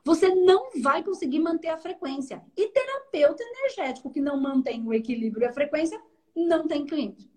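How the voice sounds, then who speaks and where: A woman with a Brazilian accent, an energy therapist mentoring a student in casual conversation, explaining in an animated way and often checking that she is understood. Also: high-pitched, a little fast.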